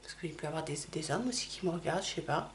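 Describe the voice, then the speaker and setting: A middle-aged woman chatting casually while doing her makeup, often apologizing and filling pauses with "hein" and "euh". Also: sits low, a little hiss or hum. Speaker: makeup vlogger. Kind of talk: casual makeup tutorial chat.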